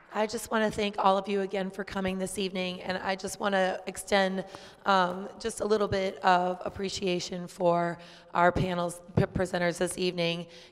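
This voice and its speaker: A woman at a moderate pace, monotone and flat in intonation, with noticeable background noise. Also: medium pitch for a woman. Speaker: university alumni relations staff, event host. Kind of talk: closing remarks at a live event. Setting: event room with live audience. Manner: loud.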